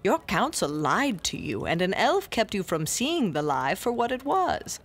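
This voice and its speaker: A woman playing a solemn, wise elderly sister of a village in an audio drama, gentle and measured. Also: medium pitch, big pitch swings, breathy edge.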